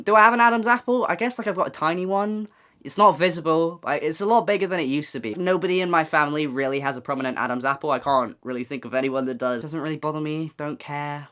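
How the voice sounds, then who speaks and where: A man's voice: on the high side, a bit bright. Chatty young trans man vlogging. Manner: chatty, rambling, self-deprecating. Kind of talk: casual update vlog.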